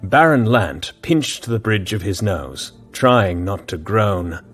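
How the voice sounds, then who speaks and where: A man narrating an audio drama in a measured storytelling manner. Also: lowish voice, lively intonation, a bit bright, breathy edge, soft background music.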